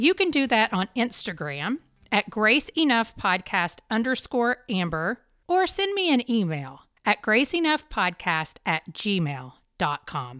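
A woman with a fairly high, bright, sharp voice speaks at a fairly slow pace, her pitch swinging very widely and dropping into vocal fry. The sound is dry and close with no echo, on a very clean recording with a silent background. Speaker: podcast host. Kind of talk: casual interview chat.

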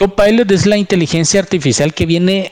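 Noticeable background noise behind a high-pitched male voice, fairly slow in pace, with ordinary pitch variation. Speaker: content creator. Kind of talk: casual chat.

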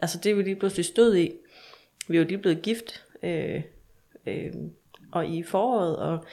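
This woman's voice sits at a medium pitch and shows ordinary pitch variation. She talks at a moderate pace. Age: 20s. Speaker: bereaved mother. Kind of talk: casual chat.

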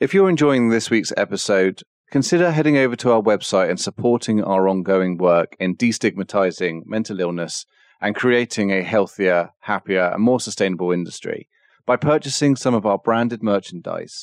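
In an ordinary speaking voice, a man talks at a fairly low pitch with lively intonation, the sound dry and close with no echo. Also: moderate pace. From Canada. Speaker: podcast host. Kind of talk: interview, podcast intro.

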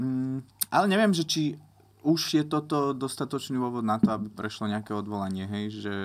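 Medium-pitched male speech full of lively intonation. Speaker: stand-up comedian and band frontman. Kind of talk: stand-up comedy, riffing in a jokey, rapid-fire way. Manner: animated, joking, sarcastic.

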